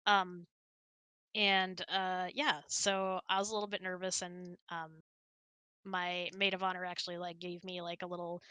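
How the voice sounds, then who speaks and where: A woman's voice: on the low side, flat delivery, moderate pace, pushed and bright, smooth, dry recording. A woman hosting a casual question-and-answer chat in an informal, giggly, chatty way. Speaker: host.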